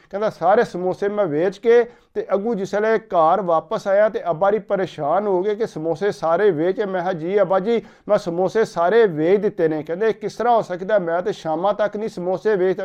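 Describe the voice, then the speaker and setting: High, smooth-voiced male storyteller. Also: highs cut off. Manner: steady retelling, repeating "he said" before each line. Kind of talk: narrated folk story.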